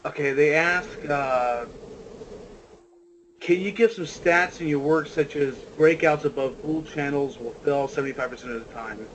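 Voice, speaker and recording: A man's voice: fairly high pitch, moderate pace, fairly bright tone, dull audio. A man moderating a webinar, plainly reading out audience questions and passing along comments. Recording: noisy webinar audio.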